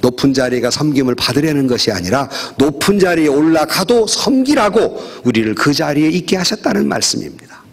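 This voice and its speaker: A middle-aged male pastor preaching a sermon, telling stories and acting out the quoted voices. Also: brisk. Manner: storytelling with quoted voices, lively pitch.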